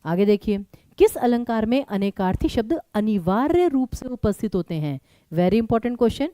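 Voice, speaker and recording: Brisk woman teacher with a mellow voice. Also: fairly high pitch, very animated, dry recording. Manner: brisk, urging students to answer fast; mixes English words into Hindi. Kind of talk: live online exam-prep class.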